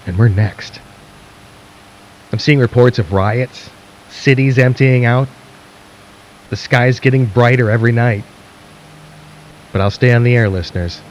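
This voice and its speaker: A man playing a weary, defiant radio broadcaster at the end of the world, speaking gravely and haltingly in a radio drama. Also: mid-range voice, close to an everyday voice. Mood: bitter disbelief, then somber. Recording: dull lo-fi radio sound, faint noise.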